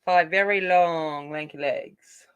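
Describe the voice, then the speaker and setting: Woman, coloring channel host, rambling casual chat, slightly low voice, talks to viewers. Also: slow pace, a bit bright, clear, resonant tone, lo-fi sound. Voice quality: not soothing by her own account. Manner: chatty and rambling, talking to live viewers.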